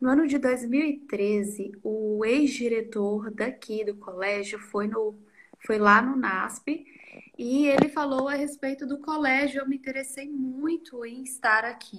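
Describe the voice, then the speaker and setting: A woman speaks very slowly with a high pitch and ordinary pitch variation. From Brazil, interior of Minas Gerais. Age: 20s. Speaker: volunteer missionary, lawyer. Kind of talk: testimony interview.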